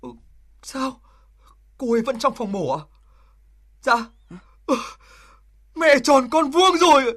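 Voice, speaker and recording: A man's voice: very high-pitched, lively intonation, takes it slowly, long pauses, exaggerated voice. An actor playing a young soldier and new father who talks urgently and then tenderly in a TV drama. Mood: relieved. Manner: bossy and urgent, later soft and emotional. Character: young male soldier helping deliver a baby, flustered then tender. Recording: music playing behind. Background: music.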